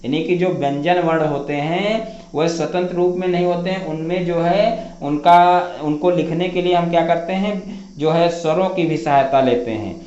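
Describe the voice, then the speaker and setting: A man's voice: on the high side, moderate pace, darkish tone. A man teaching a grammar lesson, repeating each definition and posing questions he answers himself. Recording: echoey room, dull lo-fi sound.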